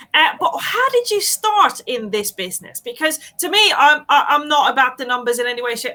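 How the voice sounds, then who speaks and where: A woman's voice: a little high, pushed and bright. A woman hosting a casual conversational interview. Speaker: interviewer, host.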